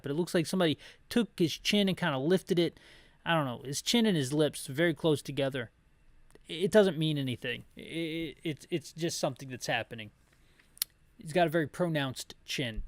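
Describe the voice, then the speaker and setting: Higher-voiced man rambling through game commentary. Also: no echo. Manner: rambling, wry asides. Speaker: video game playthrough narrator. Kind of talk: descriptive commentary with casual opinions.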